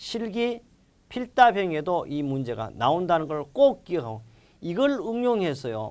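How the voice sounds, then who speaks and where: Pitch rises and falls across a very wide range. Behind the voice there is silence, and the recording is very clean. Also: man. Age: 60s. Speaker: exam prep lecturer. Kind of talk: lecture. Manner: energetic; animated.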